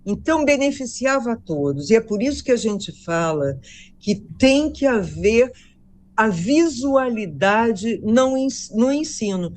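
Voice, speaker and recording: A woman's voice: fairly high pitch, animated, a little slow, darkish tone. Woman, Brazilian accent, researcher being interviewed, explanatory, emphatic, repeats points. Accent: Brazilian Portuguese.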